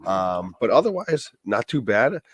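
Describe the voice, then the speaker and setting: Hoarse, low-voiced man with a cold. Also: very animated, measured pace, no room sound. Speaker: podcast co-host. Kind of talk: casual podcast chat.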